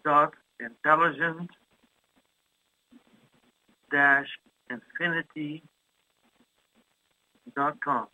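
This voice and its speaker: A man's voice: fairly high pitch, fairly even intonation, drawn-out words, long pauses, pushed and bright, no room sound. A man hosting a call-in radio show, his voice overmodulated and distorted by a clipping mic. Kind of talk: hosting a conference call with callers.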